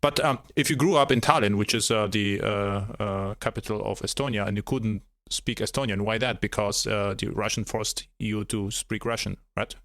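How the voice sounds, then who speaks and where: A man hosting a podcast interview, asking halting questions and backing the guest with frequent murmurs. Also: lowish voice, fairly bright tone, no room sound, studio quality. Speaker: podcast host.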